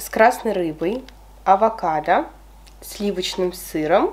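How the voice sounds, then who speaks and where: A woman is speaking. Her pace is very slow. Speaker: food vlogger. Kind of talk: casual vlog chat. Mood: relaxed, friendly. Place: home room.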